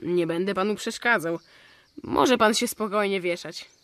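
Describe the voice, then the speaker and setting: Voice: medium pitch, unhurried, a bit bright, lightly acted. An actor playing a cheeky young boy in a radio play, chatty and matter-of-fact, coolly cynical. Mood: cool, probing. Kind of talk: Polish radio play dialogue.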